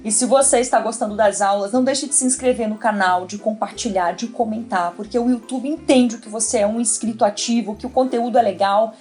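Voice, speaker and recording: A Brazilian woman teaching an online Portuguese grammar lesson, lively and talking straight to the viewer with questions. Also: on the high side, fairly quick, few pauses, faint music behind.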